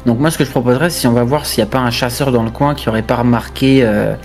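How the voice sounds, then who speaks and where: A man's voice: medium pitch, steady tone, quick pace. A man playing a tabletop role-playing game, chatting casually with blunt, joking, colloquial remarks.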